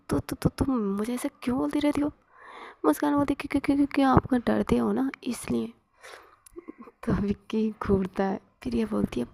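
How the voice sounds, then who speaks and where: Husky whispering woman storyteller. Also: on the high side. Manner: soft whispered narration, voicing all characters herself. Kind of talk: whispered role-play.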